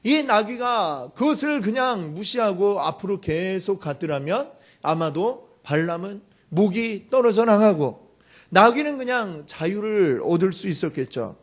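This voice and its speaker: A male pastor delivers a storytelling sermon, animated and dramatic, asking rhetorical questions of the congregation. His voice sits high and moves through a wide, lively range. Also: a little slow.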